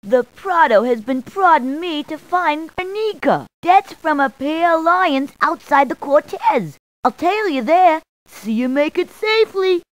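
A high, punning game policewoman. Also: no echo. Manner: upbeat, punning, chatty. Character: cheery punning adult policewoman. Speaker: voice actor. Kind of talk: game voice clips.

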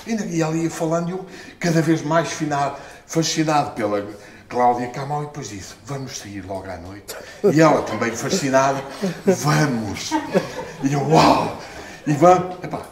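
A middle-aged man with a European Portuguese accent, telling stories at a book launch, expressive and laughing often. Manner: expressive, gestures and laughs often, jumps in pitch when excited. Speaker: book author. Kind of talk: animated storytelling at a book launch. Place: small stone-walled room, indoors. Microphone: far camera. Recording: echoey room.

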